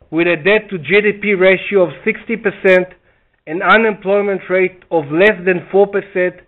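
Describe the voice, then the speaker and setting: A man reading a formal, scripted corporate presentation in measured phrases over a conference call. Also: sits high. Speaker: stock exchange chief executive on earnings call. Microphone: conference call phone line. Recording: tinny, narrow phone line.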